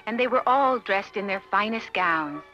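A woman narrating a children's fairy tale from a script in an expressive, measured storybook manner. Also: mid-range voice. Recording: dull lo-fi audio, music behind.

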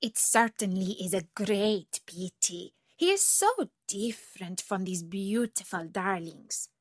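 A woman's voice: medium pitch, expressive, slow pace, no room sound, clean studio sound. A woman voicing a stately old female duck who rules the farmyard in a storybook, haughty and condescending.

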